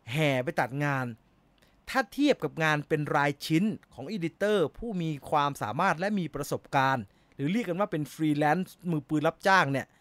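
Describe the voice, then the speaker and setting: A man's voice: on the high side, fairly bright tone, dry recording. A middle-aged man hosting a casual live chat, reading viewer comments and answering in chatty bursts, laughing easily.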